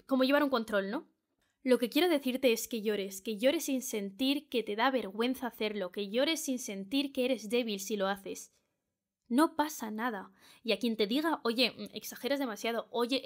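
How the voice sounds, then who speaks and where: A young woman with a Spain Spanish accent talks through a solo advice podcast, her voice sitting a little on the high side. She is earnest and direct, often repeating a phrase two or three times to drive it home. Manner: earnest, repeats phrases for emphasis, speaks straight to the listener. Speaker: podcast host.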